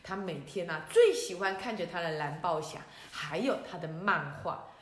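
A woman hosting a children's story show, telling stories in a lively, coaxing way to young listeners. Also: on the low side, normal speed. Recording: roomy echo.

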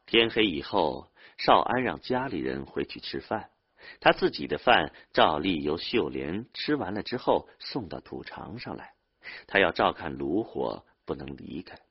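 Deep husky male storyteller. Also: measured pace, highs cut off. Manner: expressive storytelling, dramatic swings. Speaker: narrator. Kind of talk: audiobook novel reading.

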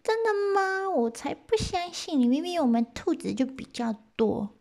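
Squeaky sly little hare voiced by a woman. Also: big pitch swings, normal speed, creaky, darkish tone, full character voice. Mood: coaxing, sly. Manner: high crying whine, sing-song. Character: small hurt whining male hare, pleading and sly.

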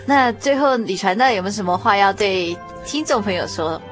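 A woman's voice: mid-range voice, expressive, moderate pace, soft background music. A woman hosting a Christian radio interview in a conversational, attentive way. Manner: attentive, frequent short affirming murmurs.

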